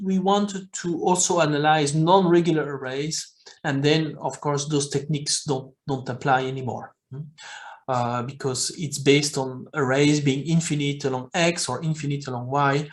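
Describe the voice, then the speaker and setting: A man with a Belgian accent giving a technical lecture, often repeating words and checking in with "okay?". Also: fairly high pitch.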